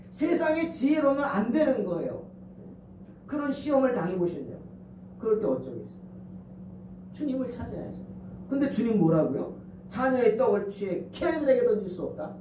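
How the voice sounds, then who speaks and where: A man's voice: high voice, background noise. A male pastor preaching a fervent sermon in a church sanctuary, asking the congregation one rhetorical question after another. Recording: echoey church hall, distant mic.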